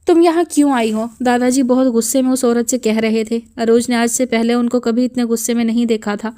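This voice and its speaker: A woman narrating a novel as an audiobook with steady, emotive storytelling. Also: a little high, clean tone.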